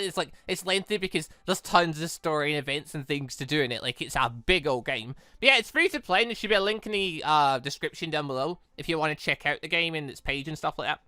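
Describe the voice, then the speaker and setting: A man's voice: fairly high pitch, sharp tone, clear, resonant tone, no room sound, studio quality. A man giving casual let's-play commentary, rambling as he repeats and rephrases himself. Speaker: gaming video host.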